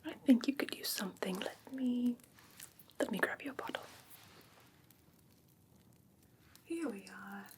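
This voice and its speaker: A woman playing a whimsical, coaxing fae creature in a breathy ASMR whisper, sweetly condescending and soothing in a halting, doting way. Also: fairly high pitch, a little hiss or hum, natural voice. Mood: enticing, coaxing. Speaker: ASMR roleplay performer. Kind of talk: whispered ASMR fantasy roleplay.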